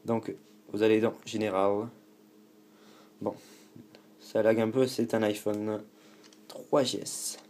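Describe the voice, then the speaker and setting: Chatty low-voiced French man. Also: little pitch movement, slow pace, long pauses, darkish tone. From France. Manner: chatty, rambling, self-correcting, casual swearing. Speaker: tutorial host. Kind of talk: casual tech tutorial.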